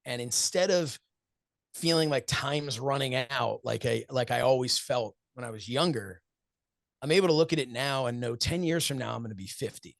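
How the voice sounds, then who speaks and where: A man's voice: medium pitch, normal speed, gravelly, a bit bright, no echo, clean studio sound. A man in his forties giving earnest, reflective interview answers, telling stories and acting out what friends said, with frequent laughs. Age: 40s. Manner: earnest, storytelling, acts out quoted friends, laughs often. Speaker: wrestling commentator and show host, interview guest.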